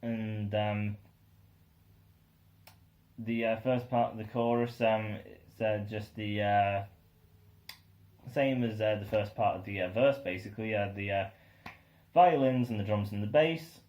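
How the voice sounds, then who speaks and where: A man's voice: fairly low pitch, steady tone, a little slow, pauses often, a little mellow, lo-fi sound. Rambling young man reviewing an album. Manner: rambling, many ums and uhs, enthusiastic. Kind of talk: casual spoken album review.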